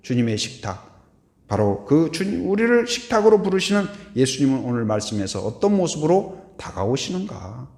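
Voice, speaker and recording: A male pastor giving a Sunday sermon in a church, asking the congregation questions and swinging between hushed and loud delivery. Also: mid-range voice, big pitch swings, normal speed. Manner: asks the congregation questions and has them repeat lines. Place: church sanctuary. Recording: echoey church hall.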